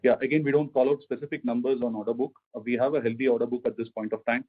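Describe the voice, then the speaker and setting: A man speaking as a company finance executive, giving measured corporate answers to analysts on an earnings conference call. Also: medium pitch, steady tone, husky. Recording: phone-like conference call line.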